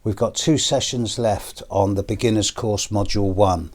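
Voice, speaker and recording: A middle-aged British man with a hoarse, deep voice and a cough, talking slowly to his viewers in a personal video with pauses and fillers. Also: fairly even intonation, a little mellow. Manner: slow, measured, with pauses and fillers. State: hoarse and coughing after illness. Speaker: astrologer.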